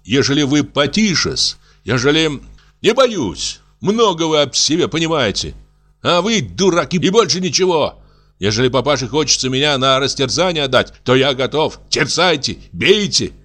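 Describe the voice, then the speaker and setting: A man's voice: medium pitch, very animated, moderate pace, fairly bright tone, soft background music, voice pushed up. A man voicing an insolent young village medic who speaks in a whining, mock-humble, sarcastic way.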